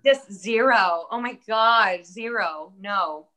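A bright, clear-toned woman in her early thirties chats as an interview guest, upbeat and earnest. Spanish is her first language though she grew up in the US. She hedges with "um" and "I think" while staying hopeful. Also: mid-range voice, slow, poor audio. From born in Atlanta, Georgia, US. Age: early 30s. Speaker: actress, guest. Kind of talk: casual interview conversation.

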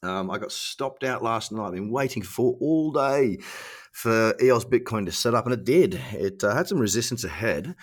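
A man's voice: on the low side, expressive, normal speed. A middle-aged Australian man hosting a casual solo podcast, sounding nasal from a cold and talking in a chatty, slangy, self-mocking way. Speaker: podcast host.

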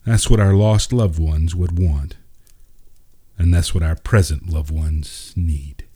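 A man voicing a grieving, hopeful widowed father in a storybook, heartfelt, measured and reflective. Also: low voice, steady tone, mellow, husky, voice pushed down, exaggerated voice. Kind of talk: storybook dialogue reading.

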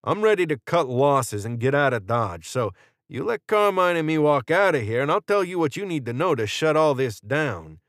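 Man voicing a cocky gunman, pitched up and glib. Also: lively intonation, normal speed, a bit bright, no echo, clean studio sound. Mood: breezy, bargaining. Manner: glib, casual, slangy, sarcastic. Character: cocky, flippant male cult gunman cutting a deal. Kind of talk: audiobook character dialogue.

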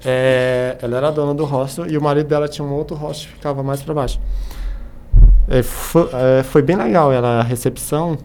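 A Brazilian man chatting casually as a podcast guest, telling anecdotes in an animated way and acting out the dialogue. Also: medium pitch, a little fast, slight background noise. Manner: animated retelling with acted-out dialogue.

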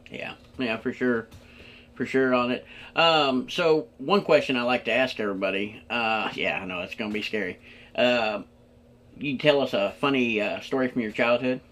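Relaxed male interview host. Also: medium pitch, normal speed. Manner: relaxed, encouraging, lots of short agreements. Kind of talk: casual interview chat.

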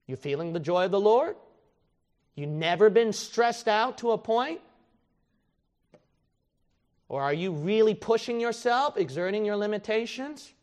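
A man's voice: high-pitched, lively intonation, unhurried, pauses often, darkish tone. A man preaching a sermon, emphatic and confrontational, firing rhetorical questions and acting out his listeners' excuses. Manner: acts out imagined excuses in quoted voices.

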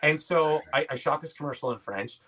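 A Quebec-born comedy actor and writer in his forties, with a Canadian accent, tells anecdotes as a podcast guest in a casual, self-deprecating way. His fairly high, bright voice moves quickly, though the recording is rough.

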